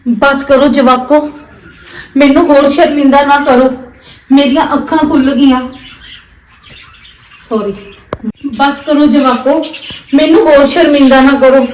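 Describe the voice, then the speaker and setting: A woman's voice: high voice, fairly even intonation, a little slow, pauses often, roomy sound, low-quality recording. An actress playing a stern Punjabi mother-in-law who scolds her daughter-in-law and belittles baby girls, speaking in a Punjabi accent. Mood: remorseful. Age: older. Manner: scolding, bossy. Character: stern grandmother who scorns girls, then repents. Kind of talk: short-film drama acting.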